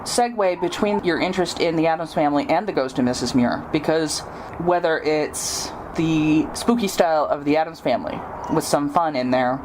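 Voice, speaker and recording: A woman's voice: low-pitched, normal speed, noisy background. A woman hosting a podcast, chatting casually in an interview and acting out what other people say in a chatty way. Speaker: podcast host.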